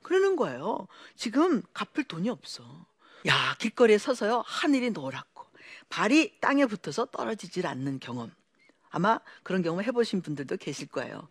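Animated woman telling her life story. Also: mid-range voice, moderate pace, breathy edge, dry recording. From Korea. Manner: animated storytelling, acts out quoted voices. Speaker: speaker giving a personal testimony. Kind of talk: emotional personal testimony to an audience.

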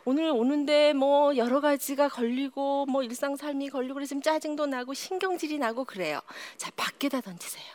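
A woman giving a lively psychology lecture to a live audience, sometimes dropping to a whisper. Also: sits high, fairly quick, hardly any pauses, no echo. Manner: animated, often drops to a whisper.

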